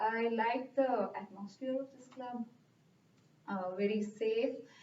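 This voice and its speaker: Fairly slow delivery with fairly even intonation. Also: woman. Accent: strong Indian. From India. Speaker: club member, job seeker. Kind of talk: interview answer. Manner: halting, many fillers.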